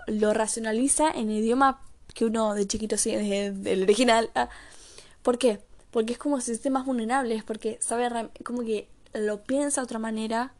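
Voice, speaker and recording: Young woman, Rioplatense accent, slightly high voice, rambling casual monologue, thinking aloud with lots of fillers. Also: a little mellow. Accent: Rioplatense Spanish. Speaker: vlogger.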